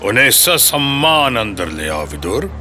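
Grave old royal elder, sharp bright voice, slow and measured. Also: male voice, mid-range voice, very animated, exaggerated voice. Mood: concerned. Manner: measured, dignified delivery. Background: music.

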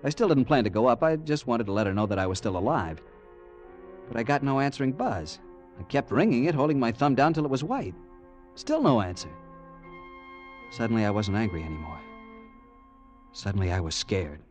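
A man's voice: mid-range voice, sing-song, a little fast, long pauses, a little mellow, faint music behind, close to an everyday voice. An actor playing a young man narrating his growing fear in 1940s radio acting style. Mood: tense. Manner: narrates tensely, growing panicky.

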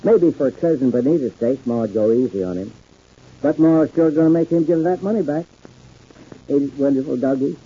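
An actor playing a folksy, good-natured older American uncle in a 1950s radio soap, with homespun, rambling country talk. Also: male voice, mid-range voice, moderate pace, warm tone, husky. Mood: happy musing. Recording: dull 1950s radio recording.

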